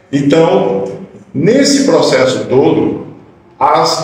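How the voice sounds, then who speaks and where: Pitched fairly high, a man's voice makes very wide pitch swings. Audible room echo and noticeable background noise surround it. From Brazil, Goiás. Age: 60s. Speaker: spiritist lecturer. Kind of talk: lecture.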